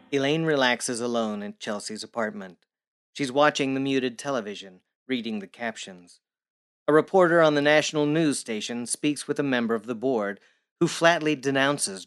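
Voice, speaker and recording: A narrator reading scripted scene descriptions for an audio drama in a measured, matter-of-fact way. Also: mid-range voice, a bit bright, clear, resonant tone.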